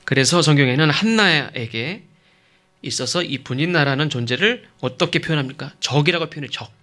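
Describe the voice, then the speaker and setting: Bright-voiced pastor preaching a sermon. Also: male voice, on the high side, lively intonation, brisk. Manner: emphatic, asks rhetorical questions; checks in with the congregation.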